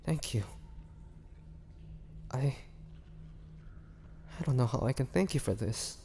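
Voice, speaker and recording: Man playing a slow, gravelly captive vampire. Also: mid-range voice, animated, warm tone. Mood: stunned, grateful. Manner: slow, halting, sorrowful delivery with sighs and pauses. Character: weary, bitter young male half-vampire held captive in a cage. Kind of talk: dramatic audio roleplay monologue. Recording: long hall reverb, faint noise.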